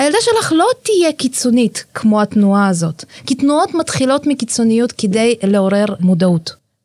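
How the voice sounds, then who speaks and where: A woman talks at a moderate pace with hardly any pauses and very even loudness. Her fairly high pitch moves in very wide swings. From Russian-speaking immigrant family in Israel. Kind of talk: casual chat. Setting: studio.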